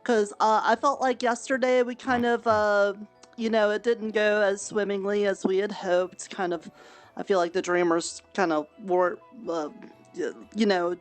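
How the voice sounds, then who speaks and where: A woman's voice: medium pitch, fairly even intonation, measured pace, faint music behind. Chatty woman roleplaying a merchant. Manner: chatty, bubbly, trailing fillers. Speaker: merchant guild character in a roleplay. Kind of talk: in-character roleplay chat.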